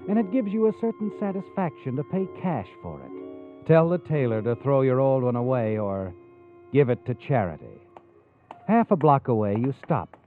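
A man's voice: mid-range voice, big pitch swings, moderate pace, soft background music, natural voice. A man playing a knowing, taunting, ominous narrator in a 1940s radio mystery, addressing the listener on a muffled old recording. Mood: knowing, suspenseful. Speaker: host and narrator.

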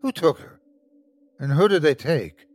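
A man's voice: a little high, expressive, unhurried, dry recording, voice pushed up. A man voicing a worried, insistent father searching for his son in a storybook narration. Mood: demanding. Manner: urgent, demanding, questioning.

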